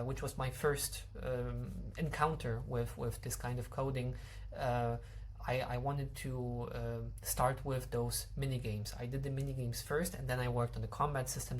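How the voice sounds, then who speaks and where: A man's voice: medium pitch, a little hiss or hum. A young man, a game developer explaining his code, hesitant with many fillers and restarts. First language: Polish.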